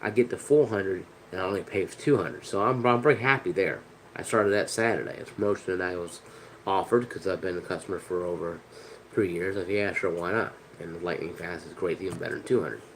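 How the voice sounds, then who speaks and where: A man's voice: low-pitched, brisk, a little hiss or hum, rough recording. A man with a head cold and a nasal, stuffy voice, ranting casually to camera in a rambling, frustrated way with lots of restarts and the odd curse word. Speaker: vlogger.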